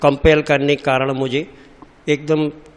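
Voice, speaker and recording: There is noticeable background noise behind a man whose voice sits fairly high in pitch. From central India, Madhya Pradesh (Hoshangabad district). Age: 60s. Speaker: teacher, seminar participant. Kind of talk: testimony. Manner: halting.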